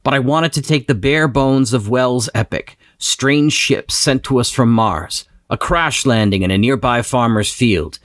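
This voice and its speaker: A man's voice: mid-range voice, unhurried, hardly any pauses, no room sound, studio quality. A man, the writer, earnestly explaining his take on a classic story. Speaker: writer of an audio drama. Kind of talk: scripted commentary.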